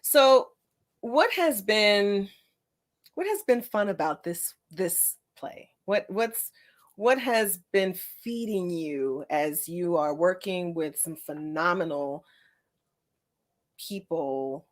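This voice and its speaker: A woman's voice: lowish voice, expressive, slow. A middle-aged American woman hosting a conversational interview in an affirming, encouraging manner. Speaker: podcast host and interviewer.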